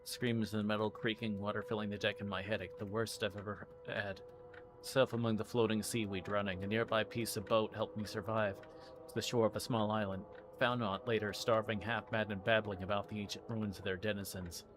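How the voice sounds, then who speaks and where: A man's voice: on the low side, little pitch movement, a little fast, over music. A man playing a video game as a streamer, reading its text aloud and commenting.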